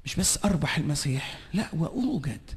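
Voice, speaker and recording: A man with an Egyptian Arabic accent preaching a sermon at a conference, swinging between shouting and hushed whispers. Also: on the high side, sing-song, fairly quick, breathy edge, big-room sound. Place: large conference hall.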